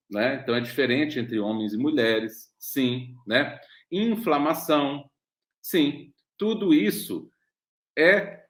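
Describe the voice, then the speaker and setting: A man's voice: medium pitch, fairly bright tone, roomy sound. A man with a Brazilian Portuguese accent, a doctor giving a mentoring lecture, explaining patiently and often checking in with "né?" and rhetorical questions. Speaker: doctor leading a weight-loss mentoring program.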